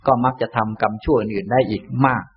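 A man, a Buddhist monk teacher, giving a calm, gentle dharma talk and answering questions. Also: lowish voice, slightly rough, lo-fi sound. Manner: calm, unhurried, gentle explaining.

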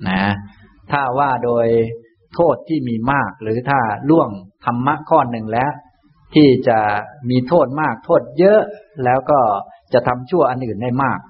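A man, a Buddhist monk teacher, giving a calm, gentle dharma talk and answering questions. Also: medium pitch, husky, dull audio. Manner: calm, unhurried, gentle explaining.

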